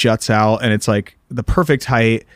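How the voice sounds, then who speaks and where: Recorded very cleanly against a silent background, a man's speech moves at a moderate pace. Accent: American. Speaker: podcast host and singer. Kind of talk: casual chat. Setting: outdoors on a balcony. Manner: animated.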